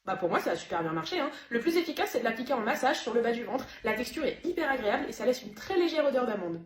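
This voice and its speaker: A woman voicing a calm friend who gives a soft, smooth product pitch. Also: fast. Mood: soothing. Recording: roomy echo.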